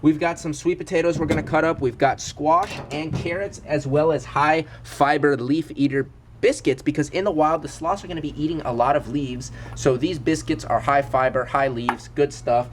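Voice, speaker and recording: A man's voice: a little high, fairly even intonation, moderate pace, noisy background. A congested young man vlogging energetically outdoors at an animal food station, often calling viewers "guys". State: congested from a cold. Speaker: zoo owner and vlogger. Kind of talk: enthusiastic vlog presenting. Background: birds screaming and monkeys.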